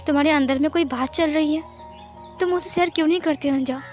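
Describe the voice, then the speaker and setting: A woman's voice: high-pitched, fast talker, a little mellow, faint music behind, close to an everyday voice. A woman doing a firm, caring young husband. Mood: worried. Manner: firm, insistent questioning.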